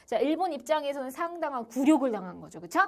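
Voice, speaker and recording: A woman's voice: high-pitched, very animated, fast, mellow. A young woman giving an online history lecture for middle school students, with "자" as a constant filler and short quotes acted out in small voices. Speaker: history teacher.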